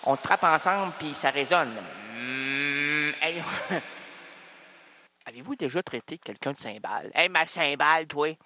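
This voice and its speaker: A radio host with a Quebec French accent delivers a rambling comic monologue packed with teasing wordplay and repeated phrases. His voice is fairly high, pushed and bright, at a measured pace, and it rings out in a large hall.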